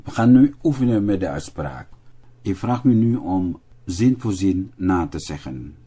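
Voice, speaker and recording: Slow, deep-voiced male language teacher. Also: expressive, dark tone, breathy edge. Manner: spells out and repeats words for learners. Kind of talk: slow, deliberate language lesson narration.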